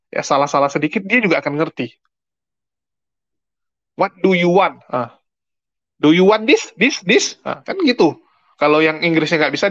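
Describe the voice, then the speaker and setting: Indonesian man, fairly high voice, dry close sound, chatty commentary. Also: fairly bright tone, dry recording, muffled recording. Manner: chatty, explains with everyday examples and mock English. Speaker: religious commentary channel host. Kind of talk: casual commentary monologue.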